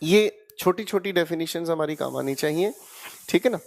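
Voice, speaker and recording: High-voiced Indian man teaching grammar. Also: moderate pace, vocal fry, darkish tone. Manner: coaxing, keeps checking students with "haan ya na?" and "theek hai beta?". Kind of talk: online exam-prep lecture.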